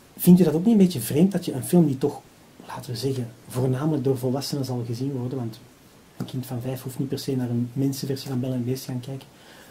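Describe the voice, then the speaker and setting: A man with a Flemish accent at a very fast pace, medium in pitch, with fairly even intonation. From Flanders. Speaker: interviewer. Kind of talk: interview. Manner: halting.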